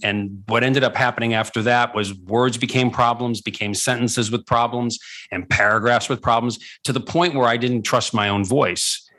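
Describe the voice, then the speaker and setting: A man's voice: medium pitch, a bit bright. A middle-aged man telling his own story conversationally as an interview guest, emphatic and repeating phrases for effect. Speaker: guest, voice-over coach and former voice actor.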